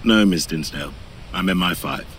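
An actor playing a polite, calmly insistent male intelligence agent, a weighty, resonant voice and a measured, reassuring delivery. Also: low voice, a little hiss or hum. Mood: polite, firm. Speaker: MI5 agent. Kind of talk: audio drama acting.

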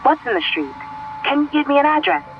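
A woman playing a steady, concerned emergency dispatcher in a horror audio drama, asking procedural questions over a phone line. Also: high-pitched, a little fast, creaky, a little hiss or hum, heavily acted. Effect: phone line filter.

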